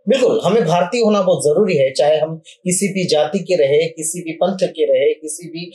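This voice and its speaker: An interviewer asking questions in measured, formal phrasing. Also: medium pitch, dark tone.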